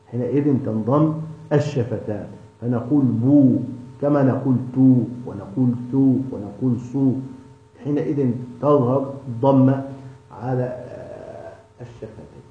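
Hesitant male tajweed teacher, echoey. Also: mid-range voice. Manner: hesitant, with many restarts and drawn-out fillers. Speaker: Quran recitation teacher. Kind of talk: explaining tajweed in a class session. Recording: echoey, dull lo-fi room recording.

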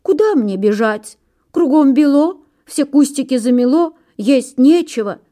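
A woman's voice: high voice, expressive, unhurried, mellow, pitched above the performer's own voice. A woman doing a timid frightened hare. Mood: pleading. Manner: anxious and pleading. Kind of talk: storybook reading.

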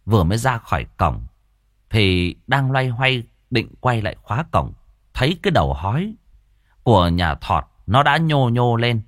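A man telling a comic folk tale in a lively, mocking way. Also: medium pitch, normal speed, no room sound. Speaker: storyteller. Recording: dry close voice.

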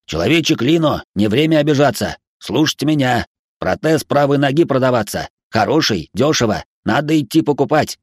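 A man's voice: medium pitch, expressive, fairly quick, no echo, clean studio sound, voice pushed up, lightly acted. A man voicing a sarcastic male servant robot who talks in clipped, broken grammar. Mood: insistent. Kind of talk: audiobook character voice.

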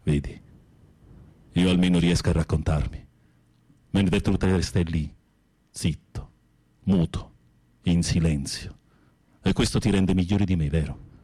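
Flamboyant gay prisoner, low-pitched, husky, theatrical, wounded romantic, radio drama. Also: male voice, unhurried, long pauses, dark tone. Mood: bitter, confessional. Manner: theatrical, swinging from confiding murmurs to camp exclamations.

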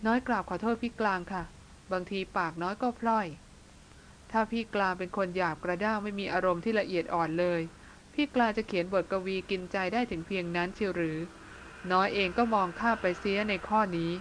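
A woman reads a spirited young sister in a spoken storybook. She speaks earnestly and warmly to her brother, a little pleading at times. Her pitch stays in a natural middle range. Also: fairly quick, a little hiss or hum, lightly acted, low-quality recording.

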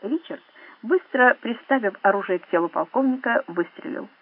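A woman reading a thriller audiobook as narrator, with steady, even storytelling. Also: on the high side, moderate pace, husky. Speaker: audiobook reader. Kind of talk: scripted narration. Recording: narrow phone-like band.

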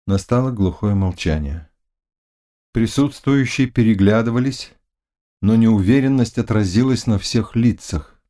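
A man narrating a classic novel as an audiobook in an expressive storytelling manner. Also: fairly low pitch, a little slow.

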